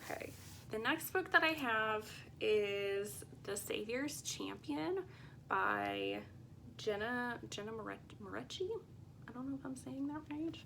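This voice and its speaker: A woman's voice: on the high side, animated, a little slow, gravelly, fairly bright tone, slight background noise. A woman book vlogger talking casually to viewers in a chatty, rambling and often unsure way.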